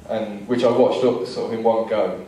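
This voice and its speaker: A man's voice: lowish voice, normal speed, recorded from a distance. A man in his forties, a filmmaker on a seminar panel, telling stories and acting out other people's lines. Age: 40s. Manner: lively storyteller who acts out other people's lines. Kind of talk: anecdotal seminar talk. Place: seminar hall. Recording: very echoey hall, voice from afar.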